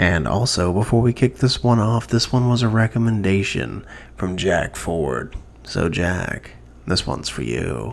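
A man's very deep, low voice in a theatrical tone with vocal fry, very wide pitch swings and a very slow pace. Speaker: horror story host. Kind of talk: scripted ghost story narration, first-person creepypasta read aloud in a spooky tone. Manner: formal, theatrical host persona in welcome and sign-off.

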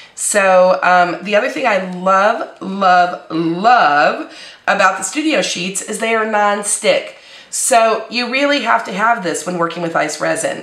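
Audible room echo surrounds a woman who talks fairly slowly. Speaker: craft product educator. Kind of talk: tutorial. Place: workshop.

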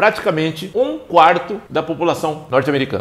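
Here a man talks at a fairly high pitch. His intonation is lively. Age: 60s. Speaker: YouTube health vlogger. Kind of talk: solo vlog explaining health info. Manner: informal, conversational. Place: office. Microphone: lapel.

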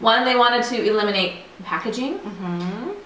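Over light background noise and audible room echo, a woman speaks with a high-pitched voice. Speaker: co-host of a product vlog. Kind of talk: casual vlog chat. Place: home room.

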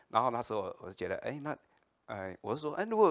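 A man's voice, with ordinary variation in pitch, comes through against a quiet background. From Taiwan. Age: 40s. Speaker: maker and businessman; conference speaker. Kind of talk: conference talk. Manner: halting, many fillers. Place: hall. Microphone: handheld.

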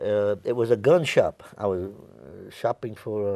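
A man speaks with an American accent. His tone is dark and mellow, and the sound is dry with no echo. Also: quiet background. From New York. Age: 80s+. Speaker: war veteran. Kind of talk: oral history interview. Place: studio. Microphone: lapel.

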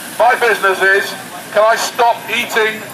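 With noticeable background noise behind him, a man uses a raised, projected voice at a high pitch in an animated, theatrical tone. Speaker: street preacher with megaphone. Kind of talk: street pitchman's rant, preaching to passersby. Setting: outdoors, street with megaphone. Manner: loud, animated, jokey, theatrical; addresses crowd directly. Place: street. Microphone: camera far.

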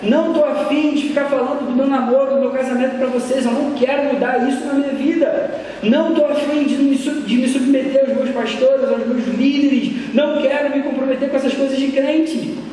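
Through light background noise and strong room echo, a man with a Brazilian accent and an extremely high pitch speaks at a moderate pace with hardly any pauses. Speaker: preacher. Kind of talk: sermon. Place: church. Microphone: camera far.

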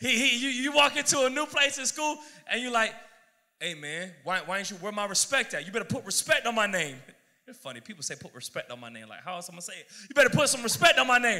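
A man talks at a very fast pace in a raised, projected voice with a bright, sharp tone. His pitch swings very widely and his loudness shifts a lot, against a quiet background. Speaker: youth pastor. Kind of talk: sermon. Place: stage. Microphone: handheld.

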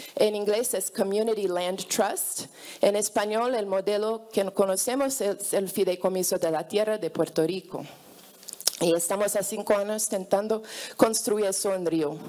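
Intonation is fairly even. The pace is fairly slow. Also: woman. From Brazil, Rio de Janeiro. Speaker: nonprofit founder. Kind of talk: conference presentation. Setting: stage with audience. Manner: halting. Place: hall. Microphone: handheld.

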